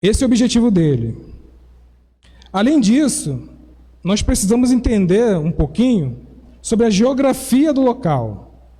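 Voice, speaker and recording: A Brazilian pastor preaches in a church, explaining each point patiently like a teacher. His voice sits high but sounds mellow. A long reverb from the church hall trails behind his words. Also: big pitch swings, a little slow, long pauses. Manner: explanatory, teacherly, with self-corrections. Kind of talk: sermon.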